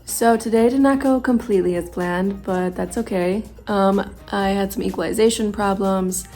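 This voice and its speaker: A woman with a congested, stuffy voice talks openly to camera, reflecting as she goes. Her tone is dark and mellow with a gravelly edge. Soft music plays faintly underneath. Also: mid-range voice, normal speed. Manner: candid, reflective, thinking aloud. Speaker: vlogger on a freediving course. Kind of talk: candid vlog to camera.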